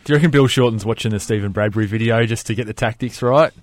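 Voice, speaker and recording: A man's voice: on the low side, quick pace, no room sound. A man co-hosting a casual podcast, making dry joking quips. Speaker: podcast co-host. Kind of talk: casual chat.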